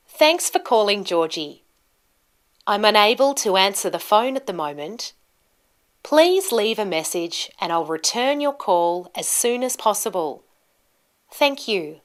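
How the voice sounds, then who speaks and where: Female language teacher, 30s, mid pitch, unhurried, deliberate delivery with precise stress for instructional video. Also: very animated. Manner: deliberate, carefully enunciated with marked stress. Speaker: pronunciation teacher. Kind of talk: instructional lesson to camera, scripted. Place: small indoor studio with plain backdrop.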